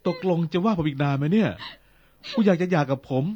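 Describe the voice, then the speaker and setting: Husky, exasperated husband, lakorn melodrama. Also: male voice, fairly high pitch, expressive, fast, muffled recording. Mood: weary, exasperated. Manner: sarcastic, scolding. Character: exasperated, scornful husband quarrelling with his wife. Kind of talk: Thai lakorn melodrama acting.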